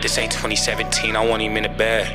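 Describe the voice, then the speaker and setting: A man's voice: lowish voice, completely flat delivery, fast, loud music behind the voice. A man with an American accent rapping hip hop verses in slangy, profane style. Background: loud hip hop beat.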